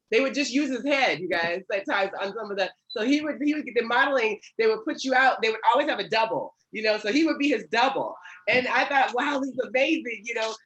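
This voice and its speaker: A woman in her thirties from Oregon hosting an online workshop over a video call from home, talking in an animated, encouraging way. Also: fairly high pitch, muffled recording, a little hiss or hum. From Oregon, USA. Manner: animated, encouraging, gestures a lot. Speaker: host and prophetess. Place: home room with patterned curtains. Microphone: laptop mic on video call.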